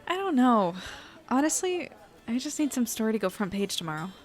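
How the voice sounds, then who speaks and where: An actress playing an earnest, slightly uncertain newspaper reporter, talking in a natural, conversational way. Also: female voice, fairly high pitch, very animated, a little fast. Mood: hesitant, troubled. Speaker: young reporter. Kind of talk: naturalistic audio drama acting.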